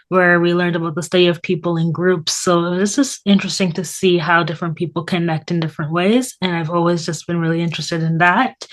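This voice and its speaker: Lowish-voiced young Canadian woman. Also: a bit bright. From Toronto, Canada. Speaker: interview guest. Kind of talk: casual chat.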